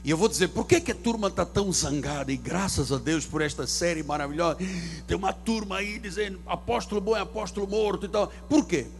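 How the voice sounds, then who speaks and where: A man pastor, preaching a sermon from the pulpit with theatrical swings between loud and hushed delivery. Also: high voice, brisk, creaky, soft background music. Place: church sanctuary.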